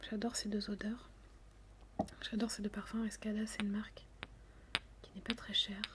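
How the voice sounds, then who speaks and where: A woman whispering softly as a perfume saleswoman in an ASMR roleplay, hesitating with many fillers. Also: medium pitch, little pitch movement, normal speed, noisy background. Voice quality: soft whisper.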